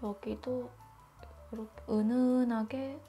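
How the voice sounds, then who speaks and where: A woman's voice: a little high, fairly even intonation, slow pace, dark tone, faint music behind. A woman hosting a makeup tutorial, explaining each step in a chatty, informal way. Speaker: beauty YouTuber.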